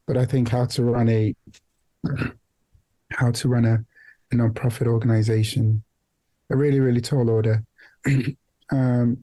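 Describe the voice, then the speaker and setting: A man with a dark, relaxed tone and a middling pitch talks as a podcast guest. He is reflective and hesitant, often restarting a phrase or dropping in "you know" while he works out his point. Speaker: guest, founder and CEO of a non-profit organization. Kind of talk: reflective podcast interview talk.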